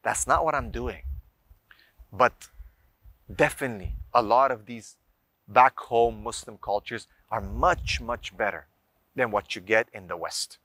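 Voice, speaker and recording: A man speaks in a mid-pitched voice, recorded close and dry. He lectures informally to viewers like a teacher of faith and family matters, stressing his points and posing rhetorical questions. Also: unhurried, long pauses, fairly bright tone, dry recording. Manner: didactic, emphatic, rhetorical questions and listed examples. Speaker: speaker giving religious and parenting advice.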